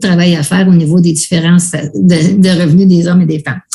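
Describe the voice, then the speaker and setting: A somewhat breathy woman with a Quebec accent, medium pitch and a dark, mellow tone at a fairly quick pace. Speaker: childcare advocate, poverty advisory council member. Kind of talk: webinar panel presentation. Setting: online webinar. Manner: halting, with repetitions.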